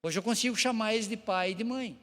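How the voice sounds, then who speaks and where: Middle-aged male pastor, high voice, emotional halting testimony sermon, long hall reverb. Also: fairly bright tone. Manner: emotional, halting, addresses the congregation directly. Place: church hall.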